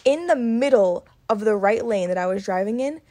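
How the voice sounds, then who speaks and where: A woman in her twenties, co-hosting a podcast, telling stories in a chatty, animated way with plenty of "like". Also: mid-range voice, moderate pace. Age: 20s. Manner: chatty, animated storytelling full of "like". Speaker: podcast co-host. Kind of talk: casual chat.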